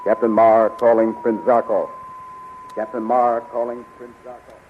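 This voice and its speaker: An actor as a brave, earnest captain sent on a secret rescue in a 1930s radio serial. The sound is thin and tinny, with faint noise. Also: male voice, mid-range voice, flat delivery, a little slow, close to an everyday voice.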